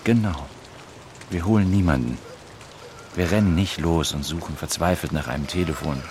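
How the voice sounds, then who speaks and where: A very low, creaky voice comes through clear rain noise: an enigmatic male stranger. He is a laconic, deadpan fatalist, blunt and unsentimental, in a naturalistic radio drama. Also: moderate pace. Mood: deadpan, resigned. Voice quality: gravelly.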